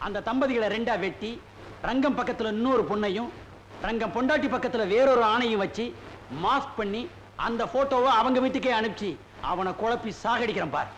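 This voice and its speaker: A man's voice: extremely high pitch, fairly quick, a bit bright, a little hiss or hum, poor audio. An actor playing a scheming male photographer who bosses his customers around and gleefully plots revenge. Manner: fussy, bossy.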